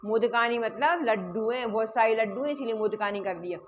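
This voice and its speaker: A woman's voice: fairly high pitch, fairly quick, slight background noise. A woman teaching a Sanskrit textbook chapter, explaining word by word and asking and answering her own questions.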